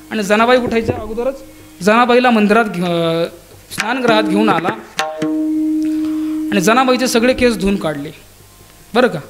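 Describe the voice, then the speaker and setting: A man preaching a devotional kirtan, telling a saint's story with acted dialogue and sung verses. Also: very high-pitched. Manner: dramatic storytelling, voicing characters' dialogue; breaks into slow sung abhang verses. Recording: live kirtan with tabla and instruments behind.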